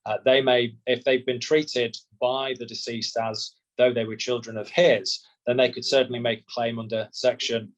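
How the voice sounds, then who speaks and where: A man answering as a solicitor, measured and explanatory, often repeating words as he restarts. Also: mid-range voice, flat delivery, muffled recording. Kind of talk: expert interview answers.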